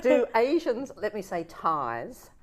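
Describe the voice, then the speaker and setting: A woman's voice: mid-range voice, very animated, takes it slowly. A woman hosting an interview, asking probing, chatty questions. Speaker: interview host.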